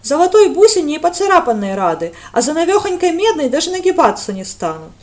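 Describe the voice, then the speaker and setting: A woman voicing a sulky, indignant young novice nun who speaks high and loud. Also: very animated, fast. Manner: petulant, huffy.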